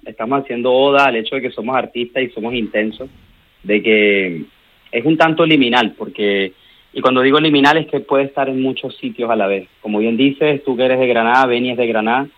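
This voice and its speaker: A man's voice: medium pitch, normal speed. A man from Venezuela, a band member answering radio interview questions in a reflective way, searching for words. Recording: tinny phone-like radio sound.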